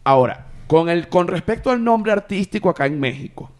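A man hosting a podcast in a relaxed chat, quick and animated, laughing often as he tells stories. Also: high-pitched. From Venezuela. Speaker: podcast host. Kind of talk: casual chat.

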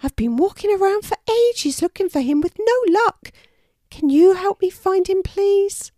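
A very high, squeaky little mouse girl. Her lively voice jumps all over the place with worry, and it sounds close and dry. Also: measured pace, no room sound. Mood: pleading. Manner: storybook character voice, bossy then worried. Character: tiny squeaky female field mouse, anxious.

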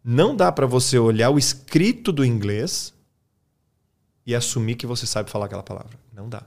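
A man with a Brazilian Portuguese accent, an English teacher explaining his method in a relaxed, colloquial chat, often tagging his sentences with quick questions. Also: medium pitch. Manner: relaxed, colloquial, peppers speech with tag questions.

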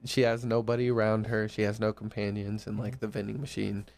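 A man's voice: on the low side, fairly quick, gravelly. A man co-hosting a casual podcast, eagerly retelling a story with many fillers. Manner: excited retelling, filler-heavy. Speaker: podcast co-host. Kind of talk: casual chat.

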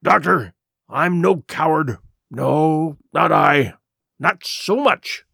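A man voicing a cunning, weathered pirate who speaks in a rough sailor's dialect. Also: on the high side, lively intonation, slow, pushed and bright, no room sound, studio quality, exaggerated voice. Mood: earnest. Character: cunning weathered male pirate, old sea cook.

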